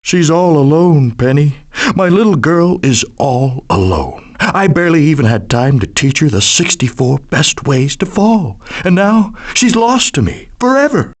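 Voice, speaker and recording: Casting: melodramatic possum dad for animated game. Pompous thespian delivery, raised pitch, highly animated. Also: male voice, unhurried. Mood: anxious, mournful. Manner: theatrical, pompous, declamatory. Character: melodramatic, hammy male possum, doting middle-aged father. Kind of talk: animated video game voice acting.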